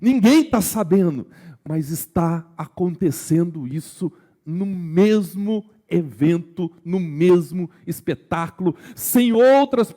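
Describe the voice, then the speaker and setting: A Brazilian man preaching a sermon in a conversational way. He keeps asking his congregation questions, sometimes dropping to a slow hush and sometimes rising with energy. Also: sits high. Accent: Brazilian Portuguese. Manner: swings between hushed, slow emphasis and raised, energetic delivery. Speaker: pastor.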